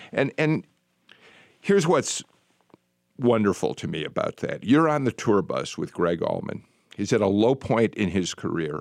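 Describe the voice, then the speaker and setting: On a very clean recording with a silent background and a dry, close sound with no echo, a man with vocal fry and medium pitch speaks at a moderate pace with very wide pitch swings and long, frequent pauses. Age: 70s. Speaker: radio interviewer. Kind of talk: interview.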